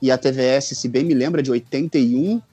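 A Brazilian man in his forties chatting casually as a guest, telling personal stories in an animated, jokey, colloquial way. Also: mid-range voice, fast, slightly rough, no room sound, soft background music. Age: 40s. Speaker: podcast guest.

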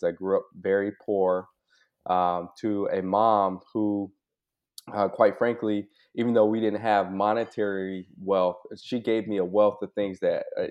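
A man's voice: fairly low pitch, darkish tone. An American man from California and Hawaii talking casually and candidly about his own life as an interview guest, in an informal, open way with asides seeking agreement. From United States (born in Hawaii, grew up in California). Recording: dull, lo-fi audio.

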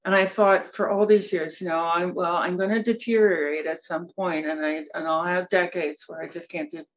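A woman's voice: fairly low pitch, moderate pace, a little hiss or hum. A woman in her seventies talks as a guest on a podcast, jumping up in emphatic bursts. Her voice comes through slightly muffled and lo-fi. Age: 70s. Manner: animated, bursts of emphatic enthusiasm. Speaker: nutrition expert guest. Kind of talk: podcast conversation.

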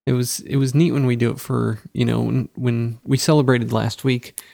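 A man's voice: mid-range voice, little pitch movement, moderate pace, gravelly, no echo, studio quality. A man co-hosting a podcast, chatting casually and rambling, often laughing. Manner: rambling, laughs often, breaks into a loud wedding DJ voice. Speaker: podcast co-host. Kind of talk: casual chat.

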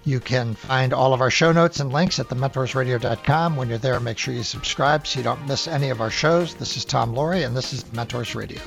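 A man's voice: medium pitch, fairly quick, creaky, hardly any pauses, music in the background. A man hosting a radio interview show, asking long conversational questions with restarts. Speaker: radio host. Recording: dull lo-fi radio audio.

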